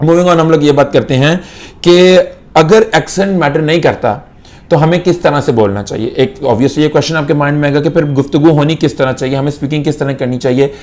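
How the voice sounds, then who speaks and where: A man's voice: fairly high pitch, brisk, darkish tone. A young Pakistani man, an IELTS instructor, gives a lesson to camera in Urdu mixed with English and repeats key points for emphasis.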